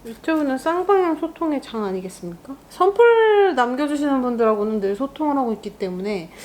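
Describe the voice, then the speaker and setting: A young woman talks her way through a makeup routine in a lively, chatty vlog voice. Her pitch sits a little high and swings widely as she jokes and laughs. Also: fairly quick. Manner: chatty and animated, laughs often. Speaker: beauty YouTuber. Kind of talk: get-ready-with-me makeup vlog.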